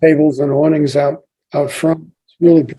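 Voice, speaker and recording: An older man hosting a podcast, asking halting questions that trail off. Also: fairly high pitch, little pitch movement, mellow, breathy edge. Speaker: podcast host, newspaper founder. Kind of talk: interview questions.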